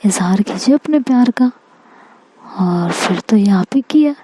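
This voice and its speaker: A knowing sister-in-law, calm and wry, talking slowly in a mellow voice, as a woman storyteller puts her on. Her tone stays easy and unhurried. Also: mid-range voice, a little hiss or hum, close to an everyday voice.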